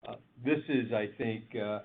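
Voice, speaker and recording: A man speaking as a senior executive on an earnings call, answering in deliberate, halting phrases. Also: lowish voice. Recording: tinny phone conference line.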